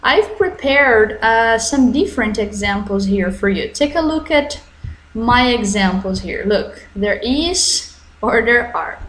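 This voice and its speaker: A woman teacher with a Brazilian accent giving an online English lesson to children, switching between explanation and slowly drawn-out model sentences. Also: fairly high pitch, lively intonation, fairly bright tone, a little hiss or hum. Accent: Brazilian Portuguese. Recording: echoey room.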